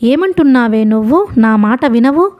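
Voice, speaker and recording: A desperate middle-aged mother , voiced by a woman reading a novel aloud, shouts bitter threats at her daughter. Her voice sits fairly high and yet stays soft and mellow in tone. This is an audiobook reading. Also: expressive, moderate pace, lightly acted. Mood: raging.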